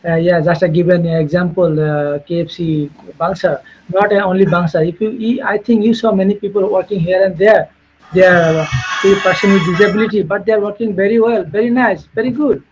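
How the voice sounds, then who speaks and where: Researcher from Bangladesh, male, high-pitched, earnest and repetitive, dull webinar audio. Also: fairly even intonation, fairly quick, faint music behind. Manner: earnest, repetitive phrasing with frequent "okay" and "you know". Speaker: guest speaker, researcher. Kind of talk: webinar Q&A answers. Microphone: video call.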